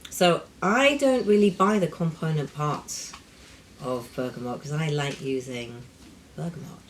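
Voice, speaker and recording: A woman's voice: deep voice, unhurried. Woman, middle-aged, perfumer host, chatty, explanatory, faint background noise. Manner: chatty, explanatory, lively with asides. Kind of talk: casual chat about perfume.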